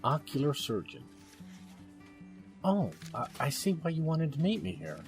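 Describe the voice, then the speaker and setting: A very animated man's voice, as a jovial eye surgeon in an audio drama. His pitch leaps around as he jokes and chats genially over faint music. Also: measured pace. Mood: friendly, professional. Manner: genial, joking, chatty. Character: jovial, joking male eye surgeon, old buddy.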